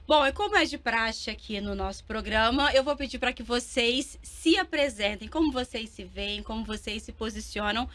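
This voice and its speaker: A woman's voice: a little high, normal speed, few pauses, fairly bright tone. A Brazilian woman hosting a talk programme, introducing and questioning her guests. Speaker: talk show host.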